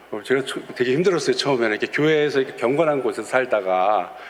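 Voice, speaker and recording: A pastor preaches a sermon in a church sanctuary, telling stories, acting out things kids said and chuckling now and then. His medium-pitched voice moves fairly quickly. There's slight background noise and a long church reverb.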